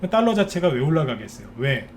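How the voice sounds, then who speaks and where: A man's voice: mid-range voice, big pitch swings, fast talker, a little hiss or hum. A man giving a live stock market lecture, ranting bluntly and firing rhetorical questions at his viewers.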